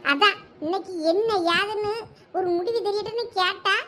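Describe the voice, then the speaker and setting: A woman's voice: fairly even intonation, moderate pace, sharp tone, a little hiss or hum. A woman playing a furious, strict village mother who scolds. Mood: complaining. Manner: scolding, shrill threats.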